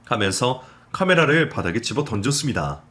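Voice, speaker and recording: Lively male story narrator. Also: mid-range voice. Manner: steady, measured storytelling.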